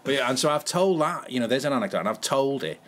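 A man's voice: medium pitch, lively intonation, fast talker, a bit bright. A man from the Wirral with a Merseyside accent, a comedian telling anecdotes in a casual chat, laughing often and restarting his sentences. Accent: Merseyside English. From Wirral, England. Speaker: comedian guest.

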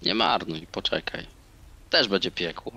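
A man's voice: low-pitched, very animated, unhurried, gravelly, bright, forceful tone. A man in his thirties speaking casually and tersely as a player in a tabletop game.

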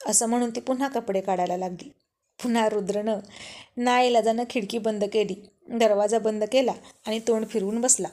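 A woman's voice: on the high side, steady tone, normal speed, mellow. Woman telling a love story. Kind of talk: story narration.

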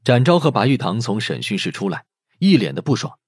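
Male audiobook narrator, expressive and husky. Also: mid-range voice, a little fast, dry recording. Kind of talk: scripted story narration.

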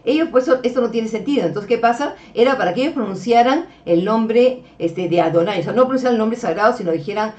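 A woman's voice: fairly high pitch, animated, fast, few pauses, a little mellow. A woman giving a religious lecture over slides, explaining patiently, often checking in with her listeners and addressing them as beloved brethren. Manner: explanatory, frequent checks with "ok?" and "este" fillers. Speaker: religious teacher. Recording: distant, dull-sounding mic.

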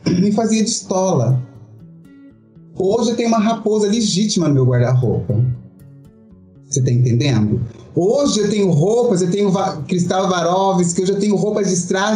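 A middle-aged woman with a Brazilian Portuguese accent, a show performer telling her story as an interview guest. She talks in a theatrical, animated way and keeps checking that the listener understands. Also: medium pitch, roomy sound. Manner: animated, theatrical, acts out quotes, keeps asking "you understand?".

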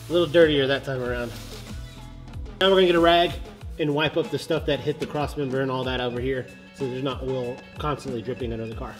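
A man's voice: medium pitch, steady tone, quick pace, soft background music. Congested man vlogging in an echoey garage. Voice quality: nasal. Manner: friendly, chatty, talks to viewers directly. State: congested from a head cold. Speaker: car vlogger. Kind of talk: casual how-to vlog. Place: home garage, indoors. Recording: roomy garage echo.

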